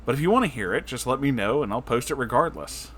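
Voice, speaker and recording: A man reading internet stories aloud in an expressive, effusive way, breaking in with casual, emotional asides. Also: mid-range voice, quick pace. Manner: emotional, effusive, reactive, profane.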